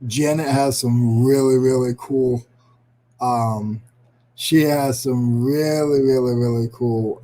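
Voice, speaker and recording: A man hosts a laid-back livestream in a warm, medium-pitched voice with a New England accent. Chatty throughout, he greets viewers by name and tosses off self-deprecating jokes.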